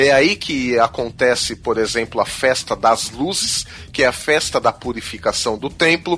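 A man's bright, sharp voice at medium pitch, fairly slow in pace with ordinary pitch variation. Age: 30s. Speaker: podcast co-host. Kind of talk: casual chat.

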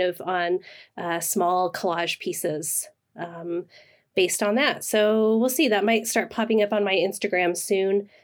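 In a normal speaking voice, a woman with an American accent talks at a fairly slow pace and medium pitch, with fairly even intonation, on a very clean recording with a silent background. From South Texas. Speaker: quilter and social work student. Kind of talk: casual interview chat.

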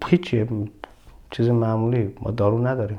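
A man at a medium pitch and a moderate pace. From Afghanistan. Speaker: refugee rights activist. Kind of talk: interview. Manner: halting.

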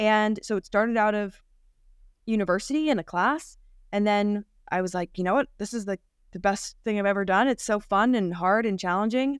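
A woman with an American accent has a normal speaking voice at medium pitch. She talks at a moderate pace with ordinary pitch variation. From United States. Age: 20s. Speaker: company founder. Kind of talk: casual interview.

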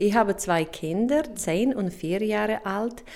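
This woman has a Russian accent. Her intonation is lively. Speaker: organizer of parent-child meeting, mother. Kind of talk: interview answers. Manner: hesitant, with fillers.

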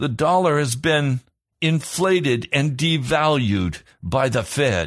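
A man with an American accent speaking at a very slow pace, with lively intonation. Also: quiet background. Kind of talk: sermon; fervent prayer and preaching, imprecatory and urgent. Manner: passionate, intense, forceful; emphatic, repetitive, thundering denunciation.

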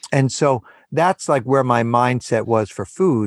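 Here a man talks in an ordinary speaking voice with an American accent and ordinary pitch variation. The sound is dry and close, with no echo. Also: quiet background. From New York City. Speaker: entrepreneur and author. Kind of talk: interview.

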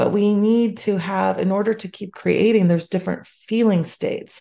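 A woman speaks in a dark, mellow tone. Her pace is fairly slow. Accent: American. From US Midwest. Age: 50s. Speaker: psychiatrist. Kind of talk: interview.

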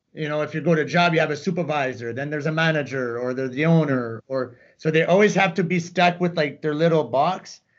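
A man in a Canadian accent talks at a very fast pace with hardly any pauses. His pitch is fairly high. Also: ordinary pitch variation. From Canada. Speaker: jiu-jitsu academy owner. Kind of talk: casual chat. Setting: video call.

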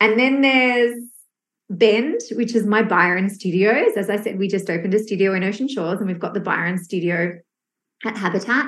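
An Australian accent over a quiet background. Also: woman, medium pitch for a woman, ordinary pitch variation, fairly quick pace. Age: 40s. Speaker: fitness business founder. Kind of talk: interview conversation.

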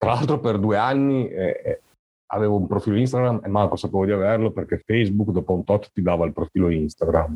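Lively intonation at a moderate pace, with a dark, mellow tone. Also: man. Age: 40s. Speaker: sales agent with multiple sclerosis. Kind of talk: casual interview.

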